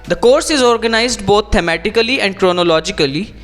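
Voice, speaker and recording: High-pitched Indian man, teacher reading aloud. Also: a little fast, a bit bright, soft background music. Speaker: English exam coach. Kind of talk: instructional read-aloud with tips.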